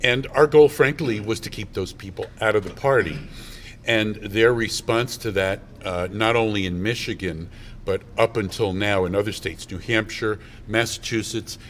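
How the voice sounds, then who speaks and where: A low-pitched man explains a party dispute in firm, fluent sentences, ticking through points one after another. A faint hum of convention ambience sits behind him. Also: moderate pace. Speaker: party member guest. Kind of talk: political explanation. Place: hotel convention venue.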